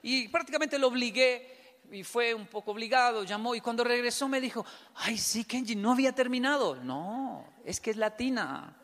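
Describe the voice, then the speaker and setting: A man's voice: very high-pitched, normal speed. A Colombian man telling funny stories to an audience and acting out both sides of each conversation. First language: Spanish. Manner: animated storytelling, acts out both sides of dialogues. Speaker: speaker. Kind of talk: humorous talk to an audience. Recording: long hall reverb.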